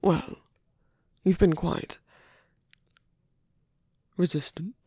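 Man acting a husky, whispery wounded villain. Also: sits high, fairly even intonation, dark tone, no room sound, clean studio sound, exaggerated voice. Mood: tender, hesitant. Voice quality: breathy, husky, often dropping to a whisper. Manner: hesitant, halting, polite and formal. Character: wounded gentlemanly male villain, tender and wry, in love. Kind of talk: intimate ASMR roleplay acting.

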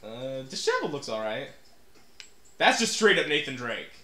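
A man's voice: mid-range voice, big pitch swings, moderate pace, sharp tone. A man co-hosting a let's play, joking sarcastically and laughing often while he plays. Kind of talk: casual gaming banter. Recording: echoey room, faint hiss.

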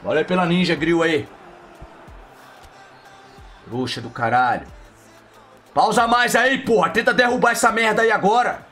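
A man's voice: high-pitched, unhurried, long pauses, bright, forceful tone, faint music behind. A Brazilian man streaming a football video game, taunting and swearing at his online opponent. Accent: Brazilian Portuguese. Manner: trash-talking, mocking, profane. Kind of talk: live gameplay commentary.

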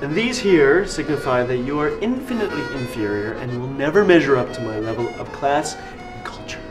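A man's voice: medium pitch, animated, a little fast, recorded from a distance, over music, lightly acted. An actor playing a snooty, condescending male florist in a comedy sketch, delivering haughty put-downs.

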